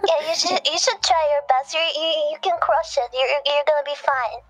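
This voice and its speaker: High-pitched, hesitant supportive woman. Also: brisk, fairly bright tone. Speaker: friend called on a show. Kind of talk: casual phone chat. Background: music.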